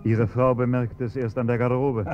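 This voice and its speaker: A man's voice: mid-range voice, flat delivery, a little fast, soft background music, natural voice. A man playing a smug, menacing chauffeur. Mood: servile. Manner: polite and servile, then coolly mocking and menacing. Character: scheming blackmailing male chauffeur, cold and smug. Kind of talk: 1970s-style German radio play acting. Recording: dull, faintly hissy old radio-play recording.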